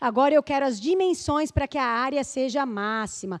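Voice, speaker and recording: A woman with a high pitch sounds animated, her intonation lively. The sound is dry and close with no echo, over a quiet background. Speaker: math teacher. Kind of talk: online class lecture.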